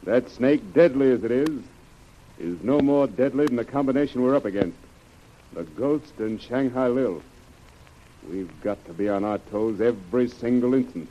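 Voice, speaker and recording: An actor playing a steady, commanding jungle adventurer in an old radio serial. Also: male voice, medium pitch, natural voice. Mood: grave, resolute. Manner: brisk, authoritative. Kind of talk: 1930s radio serial acting. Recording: muffled, noisy old radio recording.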